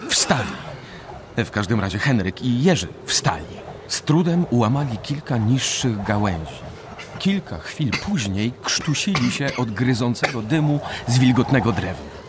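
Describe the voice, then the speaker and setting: A man narrating a dark story as a scripted radio drama. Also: medium pitch, big pitch swings, measured pace, noisy background.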